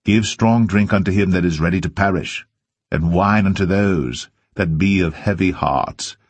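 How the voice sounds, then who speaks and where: A man reading scripture aloud as solemn narration, with measured and deliberate phrasing. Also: low-pitched, dry recording. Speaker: Bible reader.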